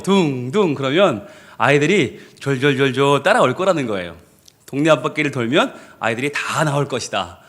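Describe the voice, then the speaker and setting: Pastor guy preaching, animated storyteller, high voice that swings all over. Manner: animated, acts out the people in his story. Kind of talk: storytelling sermon. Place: church service.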